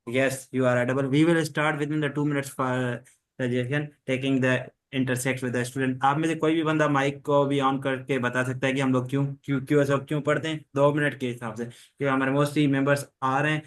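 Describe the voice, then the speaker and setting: A man with a South Asian accent moderates an online class in a mid-range voice. His delivery stays fairly flat, and his English is formal and halting. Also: medium pitch. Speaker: host and moderator of an online law study session. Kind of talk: informal online class moderation, switching between Hindi-Urdu and English. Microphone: online group call.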